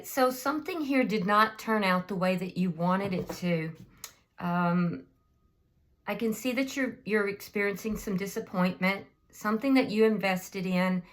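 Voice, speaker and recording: A woman does a casual tarot reading at a slow, unhurried pace, her medium-pitched voice a little hoarse from a cold. She thinks aloud, with frequent ums and restarts.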